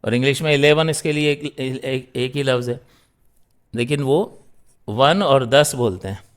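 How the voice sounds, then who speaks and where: A man teaching a grammar class, explaining step by step and answering his own questions. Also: mid-range voice. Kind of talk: grammar lesson.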